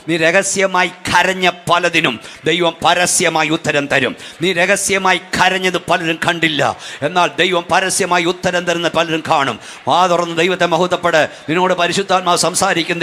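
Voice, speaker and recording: A middle-aged man from Kerala preaching a fervent sermon to a night church gathering, at times rising to shouts and urging the crowd to clap and praise. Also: sits high, fairly even intonation, normal speed, hardly any pauses. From Kerala, India. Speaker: pastor. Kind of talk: Malayalam Pentecostal sermon.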